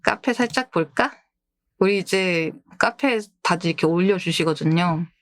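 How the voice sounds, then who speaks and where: Reading viewer posts aloud during a casual livestream, this woman VTuber who streams about books sounds polite and giggly. She speaks at normal speed in a fairly low voice, captured in clean studio sound with no echo.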